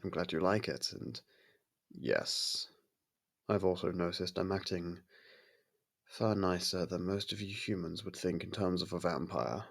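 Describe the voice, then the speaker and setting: Man playing a very gravelly, deep brooding vampire. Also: measured pace, full character voice. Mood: calm, explaining. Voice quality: gravelly, husky. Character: brooding male vampire, courteous, softened toward a human. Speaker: voice actor. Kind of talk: intimate ASMR audio roleplay.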